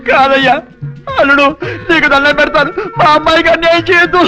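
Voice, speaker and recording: A man's voice: very high voice, fairly even intonation, fast talker, over music. An actor playing an anxious, pleading father-in-law in a film comedy scene. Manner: pleading, fussing, wordplay. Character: fussy anxious father-in-law, middle-aged man.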